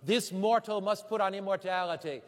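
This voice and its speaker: A man preaching a sermon, dramatic, slowing for emphasis and repeating phrases. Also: high-pitched, long reverb tail.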